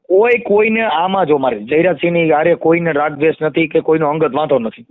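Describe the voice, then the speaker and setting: A man with a Kathiawadi Gujarati accent argues his points insistently in an animated phone discussion, explaining and repeating phrases for emphasis. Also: on the high side, brisk. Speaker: community activist. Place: phone call. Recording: muffled lo-fi phone call recording.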